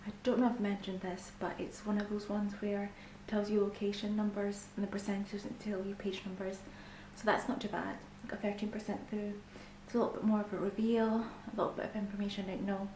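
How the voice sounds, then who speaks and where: Scottish woman, young, casual vlog chat, mellow voice, lots of ums, roomy echo, faint hiss. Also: mid-range voice, level tone, a little fast, hardly any pauses. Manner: chatty, frequent ums, drops to near-whispers at times. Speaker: book vlogger. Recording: echoey room with faint background hiss.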